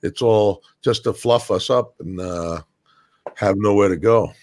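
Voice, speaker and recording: A man's voice: fairly low pitch, unhurried, a little mellow. Blunt, profane man telling a story. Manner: many fillers and restarts. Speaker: podcast guest. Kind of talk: casual chat.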